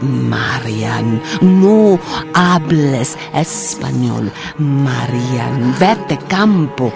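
A lonely, sorrowful Mennonite woman in a radio play. Her low, gravelly voice moves extremely slowly, in halting broken phrases. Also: animated, music in the background, heavily acted. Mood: bitter, reciting, then stern. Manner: very slow, halting, third-person speech in short fragments. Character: lonely, grieving Mennonite woman abandoned in Mexico. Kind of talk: radio drama monologue in broken, telegraphic sentences.

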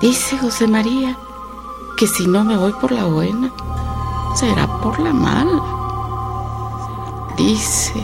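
Slow, worried Mexican mother. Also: fairly high pitch, expressive, vocal fry, music in the background, full character voice. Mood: troubled, fearful. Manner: plain-spoken, fretful. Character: worried rural mother of grown children, threatened. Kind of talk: radio theatre monologue.

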